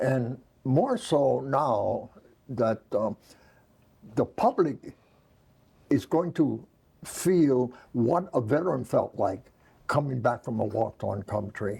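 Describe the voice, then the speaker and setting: In a Hawaiian accent, a man speaks very slowly with long, frequent pauses and a dark, mellow tone. His voice is somewhat breathy, and his intonation is lively. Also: medium pitch for a man. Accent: Hawaiian local English. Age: 90s. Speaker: war veteran. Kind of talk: interview. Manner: halting.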